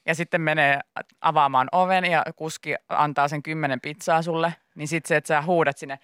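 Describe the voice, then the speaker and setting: A man co-hosting a comedic radio show, animated and sometimes breaking into high play-acted shouts. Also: smooth, no room sound, clean studio sound. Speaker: radio host. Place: radio studio. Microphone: studio mic.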